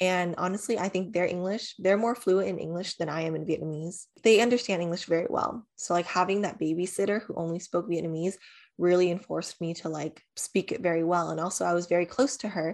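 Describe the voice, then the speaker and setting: A woman with an American accent speaks at a fairly quick pace and fairly low pitch, with fairly even intonation and hardly any pauses. The recording is very clean, with a silent background. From California, US. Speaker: podcast co-host. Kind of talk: casual chat.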